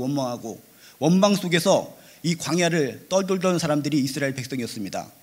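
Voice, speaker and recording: A man preaching a sermon as pastor, fervent and emphatic, repeating key phrases and rising loud to stress a point. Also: a little high.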